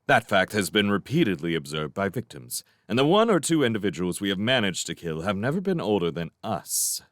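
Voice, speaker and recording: A man's voice: fairly low pitch, big pitch swings, brisk, fairly bright tone, no room sound, studio quality. A man voicing a proud, touchy young apprentice. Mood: stiffly guarded. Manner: stiff and guarded, flaring into outrage.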